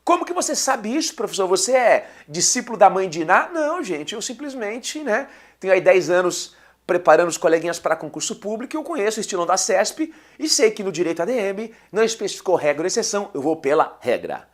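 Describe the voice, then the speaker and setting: A man's voice: high voice, quick pace. A man with a cold and a slightly nasal voice, giving a chatty exam-prep lecture and talking straight to his students. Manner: lively, chatty, addresses students as "gente". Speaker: teacher.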